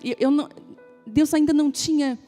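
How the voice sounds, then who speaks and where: Warm-toned, slightly high woman preacher; heartfelt, chatty sermon delivery over faint music. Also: moderate pace. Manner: emotional, conversational preaching, talks straight to the audience. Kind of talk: sermon to a women's gathering.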